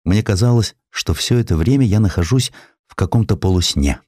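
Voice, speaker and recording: A man's voice: on the low side, a little fast, a little mellow, no room sound, studio quality, natural voice. A man voicing an exhausted, devoted woman who plaintively recalls her sleepless nursing, in an audiobook. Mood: sorrowful, weary.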